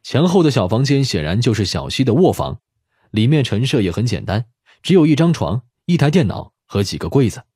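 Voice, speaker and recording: A man's voice: mid-range voice, big pitch swings, a little fast, dark tone, breathy edge, no echo, clean studio sound. A man narrating a scripted audiobook story as its narrator.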